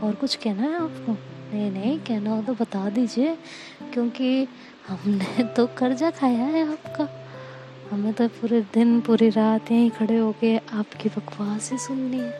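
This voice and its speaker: A woman's voice: a little high, unhurried, over music, natural voice. A woman voicing Seerat, a sarcastic young woman who answers with mock politeness.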